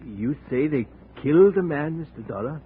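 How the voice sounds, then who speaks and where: An actor playing an evasive middle-aged jeweler in a 1950s radio drama, nervous and defensive. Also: male voice, fairly high pitch, lively intonation, moderate pace, lightly acted. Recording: tinny old radio broadcast, faint hiss.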